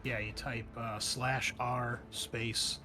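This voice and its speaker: A man's voice: medium pitch, flat delivery, slow pace, pushed and bright, faint music behind. A man running an online tabletop roleplaying game, explaining things in a casual way. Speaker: game master.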